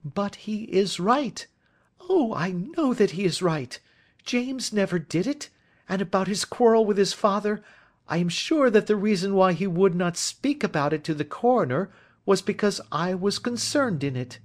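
Earnest young woman, high and imploring, for a storybook reading, with a male narrator putting her on. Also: animated, moderate pace. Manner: urgent, imploring.

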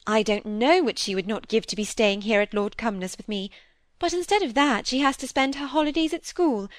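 A woman's voice: on the high side, brisk, no room sound, natural voice. A woman reading an audiobook, voicing a breezy, self-absorbed widow who chatters on in a lightly condescending way. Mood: chatty. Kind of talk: audiobook character voice.

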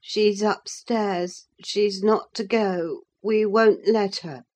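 A woman's voice: medium pitch, steady tone, slow pace, darkish tone, voice pushed up. A woman voicing a sulky, spoiled and sickly teenage boy. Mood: petulant. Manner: whiny, spoiled.

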